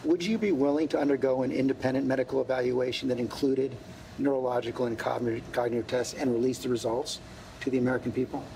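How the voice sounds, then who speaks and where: A man's voice: mid-range voice, fairly even intonation, fast, creaky, mellow. A man interviewing in a persistent way, pressing follow-up questions and often stammering on his first word. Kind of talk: probing television interview. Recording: noisy archive broadcast clip.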